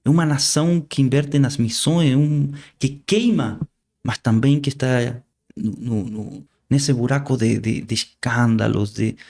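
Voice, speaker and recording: A man from Argentina with an Argentine Spanish accent, a native Spanish speaker who talks earnestly and haltingly, repeating words as he preaches in an interview. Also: mid-range voice, creaky, a little mellow. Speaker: guest preacher.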